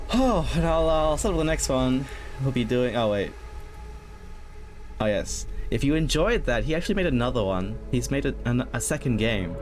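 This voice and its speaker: A man giving casual, rambling let's play commentary as a streamer, often interrupting himself in a conversational way. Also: mid-range voice. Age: adult, past his teens. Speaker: video game streamer. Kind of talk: casual let's play commentary, reading game text aloud.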